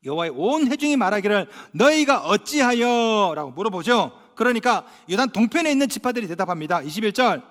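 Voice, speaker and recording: Lively high-voiced pastor preaching in a reverberant church. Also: male voice, fast talker, hardly any pauses. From Gyeongsang Province, Korea. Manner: animated, humorous storytelling with acted-out dialogue. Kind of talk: sermon. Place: church sanctuary.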